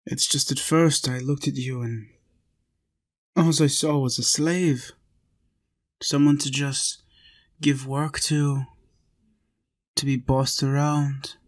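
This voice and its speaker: A man playing a lonely, tender, centuries-old vampire in an intimate roleplay audio, confiding softly and earnestly. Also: mid-range voice, level tone, takes it slowly, long pauses.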